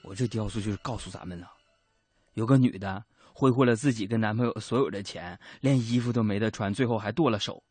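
A man's voice: fairly low pitch, a little fast, darkish tone, slightly rough, no room sound. A male radio host, telling jokes in a comic monologue from a studio and laughing at his own punchlines.

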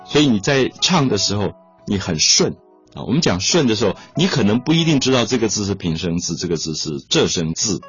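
A man lectures patiently on classical verse and repeats each key point. His voice is low and very husky. The recording sounds dull and lo-fi, with faint music underneath. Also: expressive, a little fast. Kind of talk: explanatory lecture.

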